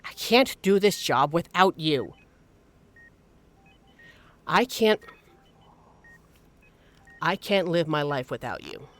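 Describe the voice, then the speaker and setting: A woman's voice: low voice, lively intonation, takes it slowly, long pauses. Woman acting impassioned secret agent, sharply swooping intonation. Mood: tender, vulnerable. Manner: emotional, scolding, emphatic, swearing. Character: normally suave female secret agent, fiercely protective, angry and anguished. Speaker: voice actor in a scripted audio roleplay. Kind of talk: intimate dramatic audio roleplay monologue.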